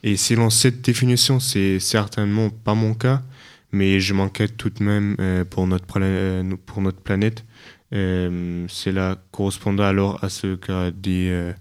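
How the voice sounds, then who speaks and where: A German man from Dresden speaks French as a second language on a radio panel. His voice is low, smooth and very even, and he chooses his words carefully. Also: unhurried.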